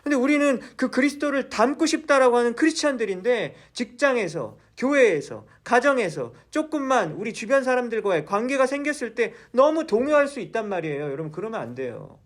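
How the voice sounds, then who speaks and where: Male pastor, sermon, high voice, lively pitch, rhetorical questions to the congregation, church. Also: fairly quick, few pauses. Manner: asks the congregation questions, then answers them.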